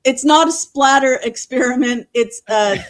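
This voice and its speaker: A woman's voice: sits high, normal speed. Middle-aged woman from california on a video call, chatty, laughs a lot, lots of ums. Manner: chatty, laughs often, many fillers. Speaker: guest panelist. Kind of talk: casual livestream chat.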